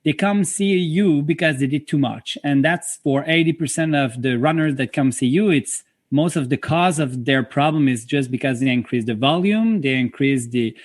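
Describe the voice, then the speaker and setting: A man from Quebec with a French Canadian accent, a physiotherapist speaking English as a second language in a podcast interview, halting and searching for words. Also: fairly high pitch, no room sound, studio quality. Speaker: physiotherapist guest.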